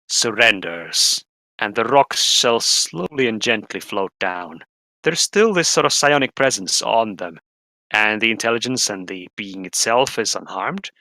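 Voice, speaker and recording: A man's voice: fairly low pitch, pushed and bright, no echo, poor audio. A man narrating a tabletop role-playing game as game master, switching between formal narration and casual asides.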